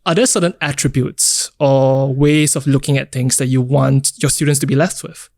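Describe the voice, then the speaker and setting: A mid-pitched man hosts a podcast, posing curious, measured questions. He fills the pauses with short acknowledgements. The recording is dry and close. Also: fairly even intonation, creaky, darkish tone, no room sound. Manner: curious, measured, frequent backchannels. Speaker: podcast host, interviewer. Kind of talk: interview questions.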